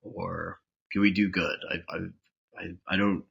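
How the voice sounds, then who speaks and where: Man as gravelly, husky brooding cartoon creature. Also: low-pitched, flat delivery, measured pace, a bit bright, lo-fi sound, exaggerated voice. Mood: troubled wondering.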